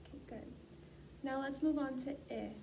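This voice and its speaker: A woman's voice: high-pitched, normal speed, warm tone. A woman giving formal, scripted instructions as a clinician running an assessment. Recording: distant mic, clearly noisy.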